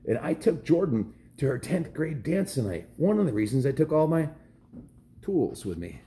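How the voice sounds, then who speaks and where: A man's voice: on the high side, sing-song, normal speed, dark tone, slight background noise. A middle-aged American man talking casually and reading aloud as a dad hosting a story video for kids. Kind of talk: casual home vlog chat and read-aloud storybook narration.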